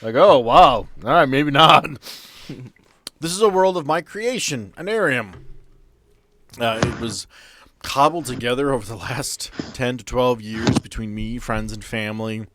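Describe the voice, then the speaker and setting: A man's voice: mid-range voice, expressive, measured pace, background noise. A man in his thirties chatting casually as the game master of a tabletop game. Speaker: game master and world creator.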